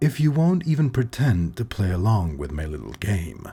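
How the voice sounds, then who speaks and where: A man's growling, put-on character voice, fairly low in pitch with very wide pitch swings, at a moderate pace over faint background music. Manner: snarling, taunting.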